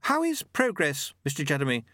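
Man putting on a high-pitched haughty aristocratic lady. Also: huge pitch swings, fairly quick, sharp tone, dry recording, clean studio sound, exaggerated voice. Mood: politely probing. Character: haughty aristocratic lady, inhuman, tense and secretive.

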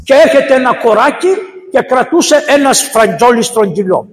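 A priest with a high voice preaches to his congregation and tells a saint's story with lively emphasis, hammering home words by repeating them. The recording is roomy, and his voice rings out with the long reverb of a church. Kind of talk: sermon retelling a saint's story.

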